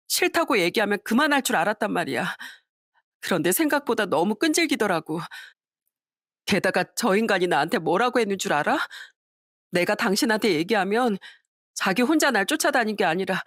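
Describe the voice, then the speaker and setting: A woman's voice: medium pitch, lively intonation, moderate pace, a bit bright, no room sound, studio quality. A woman voicing a harassed young wife who speaks in an emphatic, accusing way. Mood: confiding.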